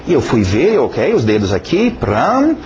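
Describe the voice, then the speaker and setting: A man's voice: mid-range voice, wildly swooping pitch, normal speed, dark tone. A man who is not a native Portuguese speaker, teaching casually with a foreign accent in a conversational, encouraging way and often checking in with short tags. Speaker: English teacher. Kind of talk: casual video lesson. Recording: dull, lo-fi, faint noise.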